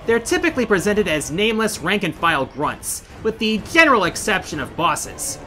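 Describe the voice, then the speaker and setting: Animated, bright-voiced middle-aged male narrator. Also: high voice, normal speed, a little hiss or hum. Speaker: video game countdown host. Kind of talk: scripted video essay narration.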